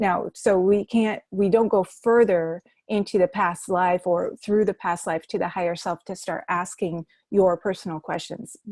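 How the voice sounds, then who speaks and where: A woman with an unremarkable speaking voice talks at a moderate pace and medium pitch with fairly even intonation, the sound dry and close with no echo and the background quiet. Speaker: hypnotherapist. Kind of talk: online group session introduction.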